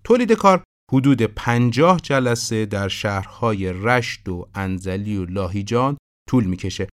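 Podcast host, male, lowish voice, steady scripted narration. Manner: informative, steady storytelling. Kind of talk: scripted narration about film production.

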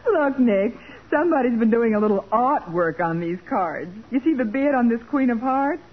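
An actress playing a chipper, observant young detective's assistant, exclamatory, in a 1940s radio drama. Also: female voice, on the high side, animated, moderate pace. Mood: delighted, curious. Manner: exclamatory, bright-eyed. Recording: tinny, noisy 1940s radio recording.

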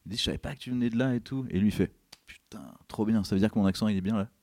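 A man's voice: on the low side, rapid-fire, no room sound. A man from Brittany, a film director, chatting as a podcast guest and acting out the people in his anecdotes. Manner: animated storyteller, acts out quoted people. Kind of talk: casual interview chat.

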